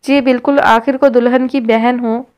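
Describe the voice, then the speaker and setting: A woman's voice: a little high, steady tone, clean tone, lo-fi sound, close to an everyday voice. A woman reading the lines of a cheerful young woman, sister of the bride, in an audio novel.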